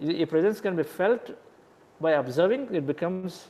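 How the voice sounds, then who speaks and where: Speaking in a Telugu accent, a man delivers his words with lively intonation. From India. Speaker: meditation teacher and entrepreneur. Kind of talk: spiritual talk answering questions.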